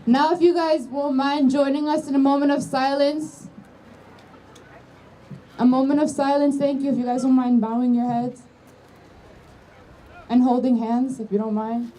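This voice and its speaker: A woman's voice: high-pitched, little pitch movement, normal speed, pauses often, dark tone. A young woman student leading a rally with a solemn, impassioned speech. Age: young adult. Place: outdoor school campus. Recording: distant mic, faint outdoor noise.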